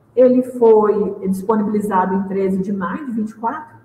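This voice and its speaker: Recorded with audible room echo, a woman speaks at a fairly slow pace with a fairly high pitch and ordinary pitch variation. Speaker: librarian.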